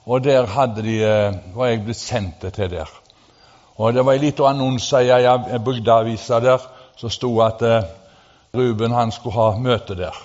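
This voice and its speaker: A man preaching, telling a personal testimony in a halting, then fervent and animated way. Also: mid-range voice. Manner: animated, rising to fervent emphasis; halting with fillers and restarts. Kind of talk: sermon testimony storytelling. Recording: dull sound with long hall reverb.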